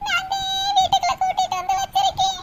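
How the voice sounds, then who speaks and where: An actor voicing a grieving old village mother who speaks in slow, tearful laments in a cartoon. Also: very high voice, monotone. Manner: slow mournful pleading. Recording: loud hiss under the voice.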